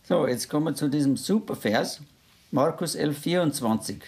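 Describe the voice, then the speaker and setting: A man's voice: a little high, animated, normal speed, a little mellow. A man preaching a sermon in earnest, quoting scripture in a raised voice.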